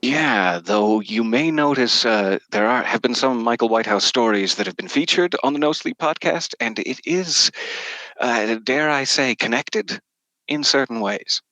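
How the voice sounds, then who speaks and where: Bright-voiced man, playfully wordy podcast guest. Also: medium pitch, expressive, unhurried, no echo, poor audio. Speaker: guest voice actor. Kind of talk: casual podcast conversation about audio drama work.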